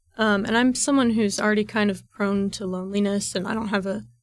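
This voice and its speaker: A woman with an American accent speaks at a medium pitch and a moderate pace. Her intonation is fairly even, and the recording is very clean with a silent background. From US Midwest, Ohio. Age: 20s. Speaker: college student and podcast producer. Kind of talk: casual interview. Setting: studio.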